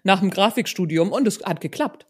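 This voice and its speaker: Chatty woman with a medium-pitched voice. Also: brisk, breathy edge. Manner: chatty, often adding tag questions. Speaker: podcast host and non-fiction author. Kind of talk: casual conversational chat.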